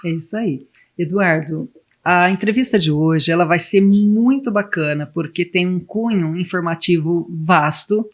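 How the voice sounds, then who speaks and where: A woman's voice: on the low side, measured pace. Brazilian woman hosting a podcast interview.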